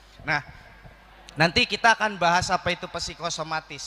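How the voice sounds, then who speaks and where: A man's bright, sharp tone at a fairly quick pace. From Cilacap, Central Java. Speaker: hypnotherapist and hypnosis instructor. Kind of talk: seminar lecture.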